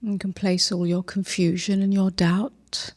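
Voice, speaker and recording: Slow, mellow woman guiding meditation. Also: medium pitch, little pitch movement. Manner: gentle, unhurried, with long pauses. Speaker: meditation teacher. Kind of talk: guided meditation.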